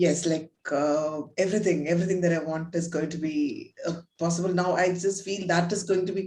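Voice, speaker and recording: This woman's voice is fairly low in pitch, with fairly even intonation at a moderate pace. Room echo is audible. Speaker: school principal. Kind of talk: group coaching session sharing.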